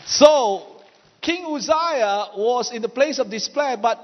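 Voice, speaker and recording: A man with a Southeast Asian accent preaching a sermon in short, emphatic phrases, pausing for an interpreter and repeating words for weight. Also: very high voice, expressive. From Southeast Asia. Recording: muffled, long hall reverb.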